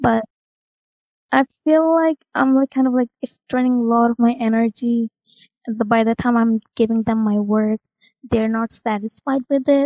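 A woman speaks in an unremarkable speaking voice with an American accent. Her pitch is fairly high, her pace moderate, and her intonation fairly even. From US, New York. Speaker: junior graphic designer. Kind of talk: call-in question. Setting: online video call.

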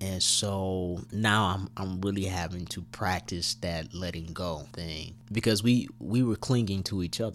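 A man's very deep, low voice in an American accent, fairly slow, with audible room echo. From Atlanta, Georgia, US South. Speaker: actor and father. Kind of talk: interview. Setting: sparring gym.

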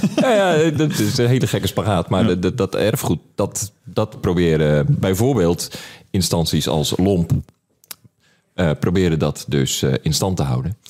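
Speaking with vocal fry, a man uses a very deep, low pitch that swings very widely while his loudness stays very even. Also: fairly slow pace. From Brabant. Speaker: podcast co-host. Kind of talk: casual chat.

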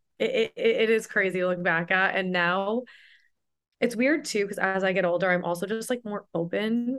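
At a moderate pace, a woman speaks in an unremarkable speaking voice at medium pitch with ordinary pitch variation. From Connecticut. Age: 20s. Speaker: meme account creator. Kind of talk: casual chat. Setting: video call.

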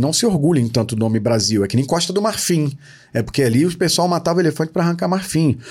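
This man talks very fast. His voice leaps across a very wide pitch range. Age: 40s. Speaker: entrepreneur and marketing methodology creator. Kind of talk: podcast interview.

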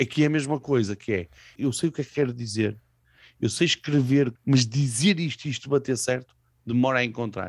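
Talking at a fairly quick pace in a European Portuguese accent, a man with a medium pitch and ordinary pitch variation is heard in a dry, close sound with no echo on a very clean recording over a silent background. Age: 40s. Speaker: comedian. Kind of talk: casual chat.

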